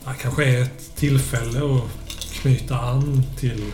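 Man doing a stiff police constable, officious, lecturing, mid-pitched, roomy sound, music behind. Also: steady tone, lightly acted. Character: stern, prim male police constable. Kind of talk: in-character tabletop role-play.

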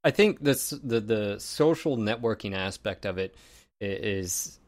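Male streamer co-host, lowish voice, relaxed and conversational about game balance. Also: measured pace. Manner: relaxed, loose, says like a lot. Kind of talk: casual chat.

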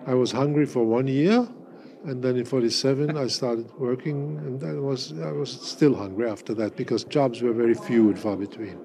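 An eighty-year-old cabaret artist, a native German speaker, answers interview questions in a measured, wry way, full of fillers and restarts. His voice is medium-pitched, creaky, and mellow.

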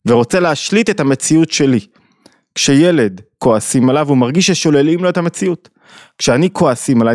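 A man's voice: medium pitch, a little mellow, no room sound, clean studio sound. A man teaching a reflective spoken lesson, asking his listeners questions and voicing the people in his examples. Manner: reflective, poses questions to listeners, acts out quoted voices. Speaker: lecturer on Jewish thought.

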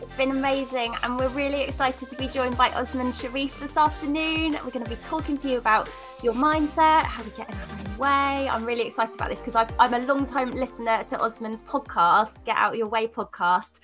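A woman's voice: high-pitched, brisk, hardly any pauses, music in the background. A woman hosting a podcast, welcoming her guest enthusiastically. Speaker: podcast co-host.

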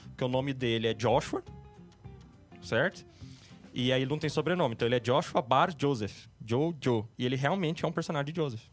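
A man's voice: medium pitch, brisk, soft background music. Brazilian man explaining things patiently. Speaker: anime guest expert. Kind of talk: casual podcast chat.

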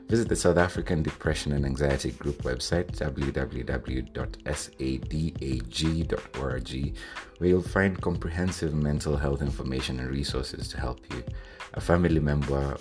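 A young adult man from Kenya giving an earnest, scripted introduction to his podcast as its host. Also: extremely low pitch. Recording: music bed under the voice.

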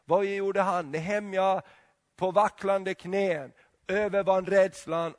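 A man preaching a sermon, halting with many restarts and asking rhetorical questions. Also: high voice.

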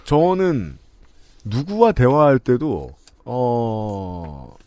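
A man's voice: medium pitch, extremely slow, no echo. A man hosting a podcast, giving reflective, musing advice in a casual chat. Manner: reflective, musing, lively intonation. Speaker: podcast host.

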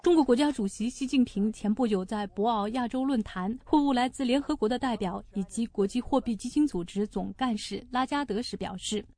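Mellow female news reporter. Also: on the high side, brisk, few pauses. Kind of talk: scripted news report narration.

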